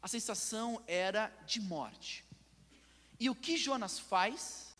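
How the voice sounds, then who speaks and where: A man with a Brazilian Portuguese accent preaching a sermon in church as pastor, swinging between loud and hushed and putting pointed questions to the listeners. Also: sits high, expressive, slow, in a large hall. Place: church sanctuary.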